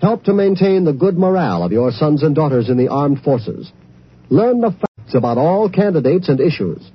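A man's voice: fairly high pitch, very animated, normal speed, breathy edge, no room sound. An American man reading a scripted public-service announcement on radio in an earnest, oratorical manner. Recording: muffled 1950s radio recording.

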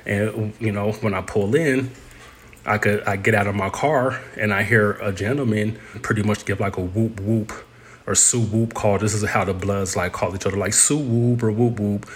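A man's voice: fairly low pitch, steady tone, normal speed, slight background noise. A man telling a personal story in an interview, speaking conversationally and loosely, with many "you know"s and "pretty much"es. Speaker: interview guest.

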